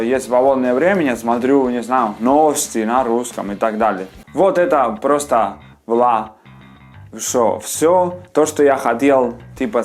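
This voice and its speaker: A young man speaking Russian with a foreign accent, chatting casually to his viewers in a video blog, halting often and restarting words. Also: mid-range voice. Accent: foreign, non-native Russian. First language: not Russian. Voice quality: halting, many restarts and fillers. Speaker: vlogger. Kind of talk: casual chat to camera.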